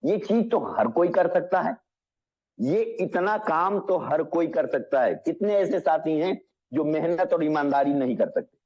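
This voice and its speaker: A man giving an energetic motivational business session, asking the audience questions and calling them friends. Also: a little high, measured pace, muffled recording.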